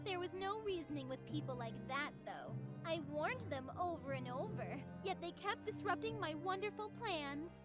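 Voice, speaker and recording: Game villain: artificial female overlord, extremely high voice, self-justifying, devoted to her mission, over clear background music. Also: sing-song, moderate pace, few pauses. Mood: smug, indignant. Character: cheerful female artificial being, tyrannical, self-righteous, obsessed with her mission. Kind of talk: scripted visual novel narration.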